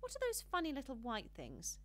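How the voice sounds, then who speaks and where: A woman's voice: sits high, huge pitch swings, fairly quick, voice pushed up. A woman voicing a curious, plaintive little girl in a storybook, with a childlike, pleading way of asking things. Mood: eager, curious.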